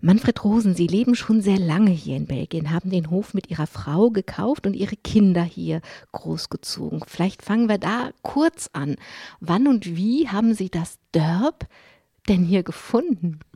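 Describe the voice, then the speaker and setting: Female interviewer, measured and deliberate, lowish mellow voice. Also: animated, husky, no echo, clean studio sound. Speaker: podcast host. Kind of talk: interview hosting with scripted intro.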